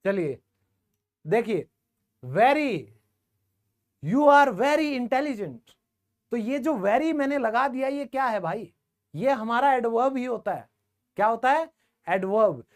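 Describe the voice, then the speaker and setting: A man's voice: very high-pitched, lively intonation, unhurried. Male English teacher running a live grammar class, casual and joking with his students. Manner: colloquial, jokey, talks directly to students.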